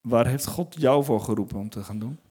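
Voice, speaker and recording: A man's voice: medium pitch, a little fast, warm tone, breathy edge. Man interpreting a sermon live. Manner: hesitant fillers and restarts while translating.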